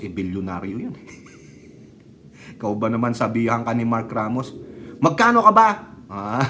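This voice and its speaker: A man's voice: mid-range voice, slight background noise. A man vlogger delivering a political commentary rant, scolding and taunting, slipping into English and pressing with repeated questions. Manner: scolding, taunting, mixes in English, keeps asking "ha?" and "di ba?".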